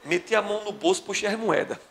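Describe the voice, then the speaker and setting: A man's voice: high voice, fast, slight background noise. A man, teaching a history class and telling a comic story, acting out the other voices. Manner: animated storyteller, acts out voices. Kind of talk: classroom lecture with comic anecdote.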